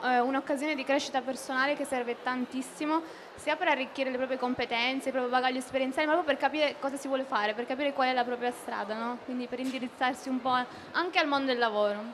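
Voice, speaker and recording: A woman's voice: sits high, a bit bright, a little hiss or hum. A young woman in her twenties telling her personal story in an interview, fluently, into a handheld mic. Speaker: interviewee, cooperative project worker. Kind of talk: interview answers. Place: expo booth studio, indoors.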